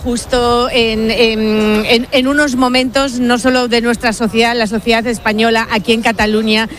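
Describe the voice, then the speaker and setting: A woman's voice: on the high side, little pitch movement, normal speed, a little hiss or hum. A woman reporting live on site for radio, earnest and a little hesitant, repeating words as she goes. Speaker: field reporter.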